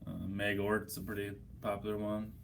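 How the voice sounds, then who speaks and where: A man's voice: lowish voice, monotone, moderate pace, heavy background noise. An American man, hungover, chatting casually and profanely on a livestream as he answers his viewers. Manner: profane, blunt, slangy. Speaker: livestream host.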